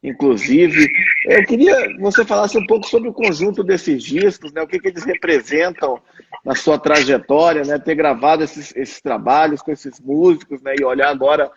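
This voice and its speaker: A man's voice: a little high, normal speed, breathy edge. A Brazilian man hosting a casual interview as the interviewer. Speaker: interviewer, host. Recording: dull, lightly noisy online connection.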